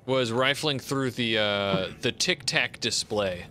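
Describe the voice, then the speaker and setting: A man's voice: medium pitch, slow pace, bright, forceful tone, slight background noise. A man chatting casually as he plays a tabletop role-playing board game.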